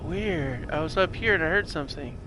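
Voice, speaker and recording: A man's voice: on the high side, animated, fairly quick, noisy background. Congested, nasal man muttering through gameplay. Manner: thinking aloud, muttering and trailing off. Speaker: let's play gamer. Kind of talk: casual gameplay commentary.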